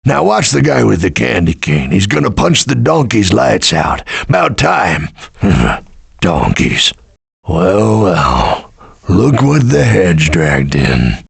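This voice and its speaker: An actor playing a big, gruff, menacing bear in a video game, with a gravelly growl and a swaggering manner. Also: male voice, on the low side, sing-song, slow, dry recording, exaggerated voice. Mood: smug amusement. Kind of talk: video game character voice acting.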